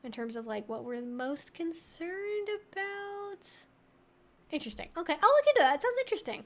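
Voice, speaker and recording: High-pitched, chatty young woman livestreamer. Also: big pitch swings, moderate pace. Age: 20s to 30s. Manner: chatty, informal, thinking out loud. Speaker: livestream host answering viewer questions. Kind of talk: casual Q&A livestream chat.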